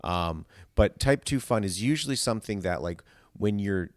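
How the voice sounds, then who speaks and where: A man's voice: lowish voice, lively intonation, normal speed, no echo, studio quality. A man talking casually as a podcast guest, explaining his ideas in a rambling, emphatic, philosophizing way. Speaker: podcast guest, stage actor.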